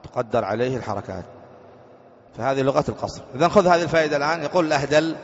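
A man's voice: medium pitch, fairly even intonation, rapid-fire. Man, grammar teacher, reads text aloud then explains, rhetorical questions, muffled hall recording. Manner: quizzes students with rhetorical questions. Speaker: sheikh teaching Arabic grammar. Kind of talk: classroom grammar lesson.

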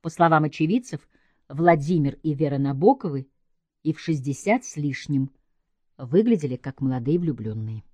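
A woman with a fairly low voice reads a literary essay in a very lively, melodic delivery. Her phrasing is measured and emphatic, set off by deliberate pauses. The recording is dry and close, with no room sound. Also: no room sound. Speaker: writer giving a literary essay. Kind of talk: scripted literary essay read aloud.

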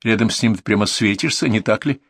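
A man doing a gentle, kind young man. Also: fairly low pitch, fast talker, no room sound, clean studio sound. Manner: soft and gentle.

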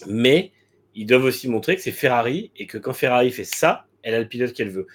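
A man's voice: medium pitch, animated, fast talker, breathy edge. A man co-hosting a motorsport talk show, giving frank, blunt opinions with many hesitant fillers. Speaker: motorsport podcast co-host. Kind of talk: casual opinionated chat.

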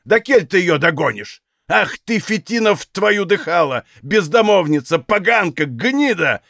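Guy reading as a cranky old cossack dad yelling and cursing, voice jumping way up. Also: sits high, big pitch swings, unhurried, creaky, no room sound, clean studio sound, voice pushed up, exaggerated voice. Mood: furious. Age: older. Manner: shouting, cursing, ranting. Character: furious old Cossack father, hot-tempered.

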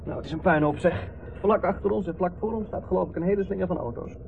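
Fast-talking young drifter, muffled radio. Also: male voice, high-pitched, creaky. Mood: breathless, excited. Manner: chatty, wry, rambling. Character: talkative, good-natured, dreamy young hippie drifter helping out. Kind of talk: radio play acting. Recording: muffled, noisy old radio play recording.

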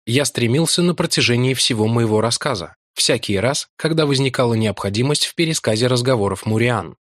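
A man reading a novel aloud in measured, expressive scripted narration. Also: medium pitch, no room sound, clean studio sound. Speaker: audiobook reader.

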